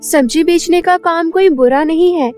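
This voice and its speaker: Woman playing a high sweet dutiful daughter. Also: normal speed, darkish tone, soft background music. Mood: earnest, caring. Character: dutiful, sweet young daughter of a poor family. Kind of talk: Hindi cartoon story dubbing.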